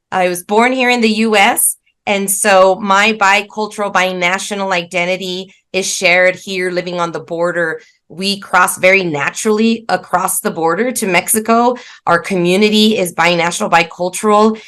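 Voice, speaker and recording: Woman, mexican american, from west texas border, proud, talks with ums, middle pitch. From West Texas border region, USA. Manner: warm, proud, fillers like um. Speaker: guest, institute co-founder. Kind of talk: casual panel talk.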